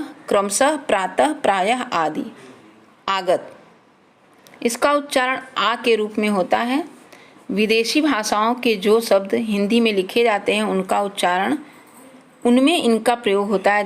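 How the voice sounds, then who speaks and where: A woman teaching a children's grammar lesson, reading out letters and example words one at a time. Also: a little high.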